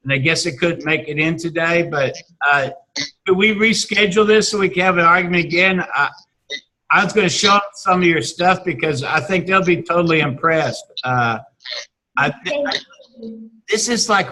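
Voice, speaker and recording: Halting teacher, bright voice. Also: male voice, high voice, rough recording. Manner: halting, many restarts and fillers. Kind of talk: casual video-call chat.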